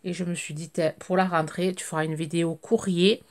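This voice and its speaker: Low husky-ish lady vlogging crafts at her table, lots of ums and restarts. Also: flat delivery, a little fast. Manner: hesitant, many fillers and restarts. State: slightly hoarse. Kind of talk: casual chat while unboxing mail. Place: craft table indoors, home.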